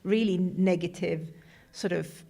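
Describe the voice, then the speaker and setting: A woman in her forties, from Sweden, chatting casually and reflectively on a podcast, with relaxed fillers and small laughs. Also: fairly low pitch, measured pace, vocal fry. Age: 40s. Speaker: podcast guest working for an MS charity. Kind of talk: casual conversation.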